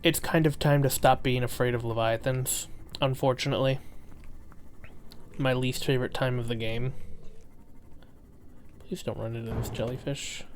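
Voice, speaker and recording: A man with a lisp giving excitable, self-mocking commentary while streaming a game, swearing now and then. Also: mid-range voice, normal speed, long pauses, a little hiss or hum. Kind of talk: casual gameplay commentary.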